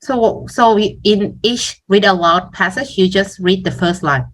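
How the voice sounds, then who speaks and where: A woman's voice: mid-range voice, unhurried, a bit bright, a little hiss or hum. A woman test coach talking casually in a question-and-answer discussion, hesitantly, often repeating words as she goes.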